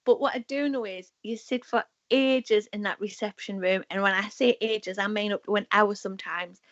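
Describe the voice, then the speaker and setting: A woman's voice: medium pitch, steady tone, normal speed, a bit bright. A woman, a podcast guest chatting casually over a video call, wry and easygoing with frequent laughter. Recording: muffled video-call audio.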